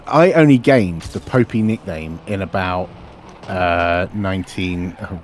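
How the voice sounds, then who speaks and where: Deep-voiced man telling a story. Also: a little slow, slight background noise. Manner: rambling, self-deprecating storyteller. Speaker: streamer chatting while driving. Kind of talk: casual chat. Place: in a car, driving.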